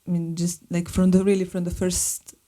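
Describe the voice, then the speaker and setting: A woman speaks as a filmmaker on a live panel. Her voice sits low and sounds deeply mellow and dark. She talks thoughtfully and pauses to search for the right words. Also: level tone. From Slovenia. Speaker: filmmaker and artist guest.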